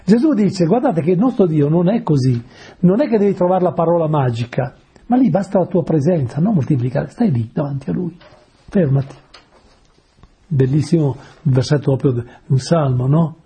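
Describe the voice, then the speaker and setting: A man's voice: on the high side, warm tone, slightly rough. A man preaching a conversational sermon, patiently explaining words and often asking his listeners rhetorical questions.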